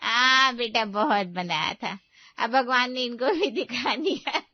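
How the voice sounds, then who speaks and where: A woman's voice: on the high side, slow pace, no room sound, dull audio. A woman voicing a mocking older female neighbor in a cartoon story. She teases and cackles at her rival. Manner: teasing, cackling laughter. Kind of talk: Hindi cartoon story voice acting.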